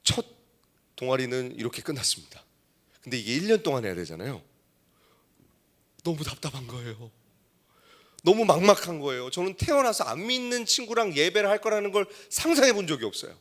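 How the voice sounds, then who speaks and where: Animated male preacher telling a story. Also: a little high, a little fast, long pauses. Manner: storytelling with wide swings between hushed asides and loud exclaims. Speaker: pastor. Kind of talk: sermon.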